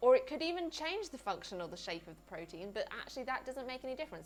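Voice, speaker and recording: A woman talks very fast at a fairly high pitch, her voice swinging very widely in pitch, with music playing in the background. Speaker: science YouTuber teaching an online course. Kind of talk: livestream lecture. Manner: casual, chatty with fillers.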